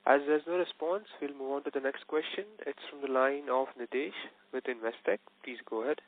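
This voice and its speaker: A man's voice: mid-range voice, brisk. A man, a conference call moderator making polite, scripted announcements. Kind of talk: formal announcements. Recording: phone line.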